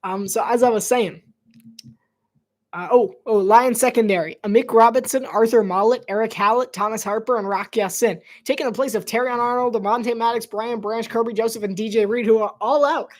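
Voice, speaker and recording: A man giving casual live play-by-play commentary, chatty and rambling, breaking into laughter and dropping to soft whispered asides between plays. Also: high voice, a little fast.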